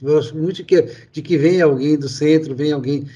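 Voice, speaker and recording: Man, fairly high voice, mellow tone, interview host. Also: steady tone, moderate pace, slightly rough, dull audio. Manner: storytelling, many fillers and restarts. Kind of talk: conversational interview.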